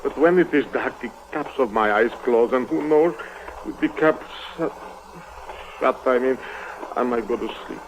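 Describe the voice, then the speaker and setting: An actor playing a nervous, wheedling little Greek black-marketeer with a Greek accent and halting, fussy English in an old-time radio drama. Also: male voice, mid-range voice, natural voice. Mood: nervous, pleading. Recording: muffled, noisy vintage radio recording.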